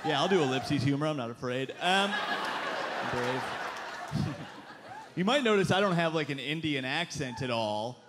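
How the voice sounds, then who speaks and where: A man in his thirties doing a stand-up set on a club stage with a handheld mic, punchy and animated, with loud put-on voices. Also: a little high, unhurried, pauses often. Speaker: stand-up comedian. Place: club stage before a live audience. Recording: live club recording with crowd noise. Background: audience laughter.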